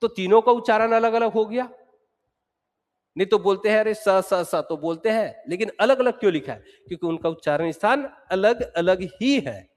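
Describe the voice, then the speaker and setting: High-voiced man teaching, reverberant hall. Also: animated, moderate pace. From Chhattisgarh, India. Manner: explains step by step, repeats sounds aloud to drill them. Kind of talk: exam-prep lecture.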